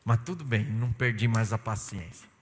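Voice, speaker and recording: A man, a pastor, giving an animated sermon and telling stories, acting out dialogue. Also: on the low side, moderate pace, a little hiss or hum. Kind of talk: sermon with personal anecdotes. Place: church sanctuary. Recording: long church hall reverb.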